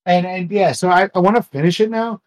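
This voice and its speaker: A man co-hosting a podcast, chatting casually, halting and repeating words as he searches for what to say. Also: high voice. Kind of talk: casual chat.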